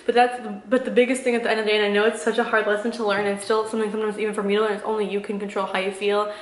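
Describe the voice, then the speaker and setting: A woman's voice: mid-range voice, level tone, rapid-fire, a little hiss or hum. A young woman chatting casually to viewers in a Q&A, rambling with lots of fillers while giving earnest, encouraging advice. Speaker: vlogger answering viewer questions. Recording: echoey room.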